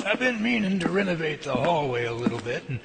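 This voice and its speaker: A man's voice: big pitch swings, fast talker, vocal fry, music in the background. A man playing a friendly, earnest science professor in an amateur radio drama, speaking in a genial, folksy, explanatory way. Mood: amused, genial. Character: friendly, earnest male science professor running Bigfoot lab. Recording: very noisy track, loud ambient rumble.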